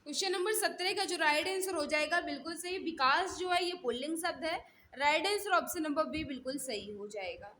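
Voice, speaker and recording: A woman's voice: high voice, brisk, pushed and bright, a little hiss or hum. A woman teacher running a live exam-prep class, reading out questions and repeating them with instructional set phrases. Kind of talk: live mock-test lesson, questions and answers.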